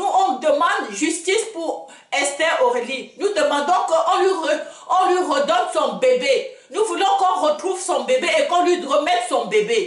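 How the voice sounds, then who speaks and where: A woman with extremely high pitch speaks at a fairly slow pace, with lively intonation and very even loudness. Noticeable background noise and audible room echo fill the recording. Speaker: vlogger. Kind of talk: video commentary. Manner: trembling voice; emotional, halting.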